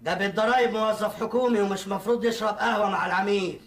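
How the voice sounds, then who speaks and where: Rapid, high-pitched bullying tax collector. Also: male voice, steady tone, a bit bright, far from the mic. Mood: officious. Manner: officious, threatening. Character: overbearing, extorting male government tax collector. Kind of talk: historical film acting. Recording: echoey room, off mic.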